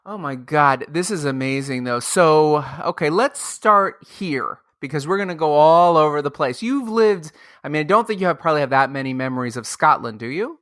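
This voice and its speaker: A man hosting a podcast, joking playfully and talking in an animated, upbeat way. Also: fairly high pitch, moderate pace, few pauses. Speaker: podcast host.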